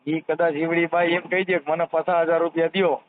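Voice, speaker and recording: A man's voice: on the high side, little pitch movement, fast. A man with a Kathiawadi Gujarati accent asking teasing, persistent questions in a casual phone conversation. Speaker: social worker taking a phone call. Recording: tinny, narrowband phone call recording.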